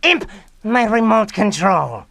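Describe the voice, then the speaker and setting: An actor, a man, playing a petulant young mad scientist villain with a pompous, excitable delivery in a comedic radio drama. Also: sits high, slow, vocal fry, exaggerated voice. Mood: gloating, menacing. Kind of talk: comedic old-time radio drama acting.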